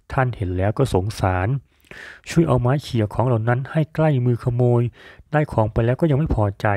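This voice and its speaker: A man tells an old folk tale in a calm, measured storytelling voice. His tone is mellow and relaxed. The recording is dry and close. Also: mid-range voice, no room sound. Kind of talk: storytelling narration.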